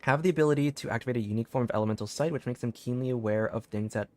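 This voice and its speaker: A man's voice: mid-range voice, racing, a little mellow. A man casually commentating on a live game stream and reading bits of on-screen text aloud. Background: game music.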